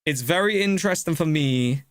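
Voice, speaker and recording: A male streamer reacting live, excited and rambling with many restarts. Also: fairly high pitch, normal speed, dry recording, clean studio sound.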